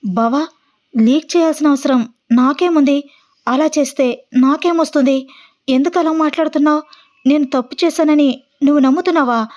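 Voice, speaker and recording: A woman voicing a young woman who pleads while crying, in a raised, higher voice. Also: moderate pace, pauses often, a little mellow, lightly acted. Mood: tearful pleading. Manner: high, pleading.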